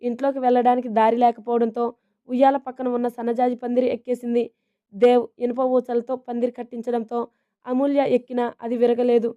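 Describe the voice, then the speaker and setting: A woman narrating a romantic family story in a steady, even reading manner. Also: fairly high pitch, fairly quick, narrow, tinny audio.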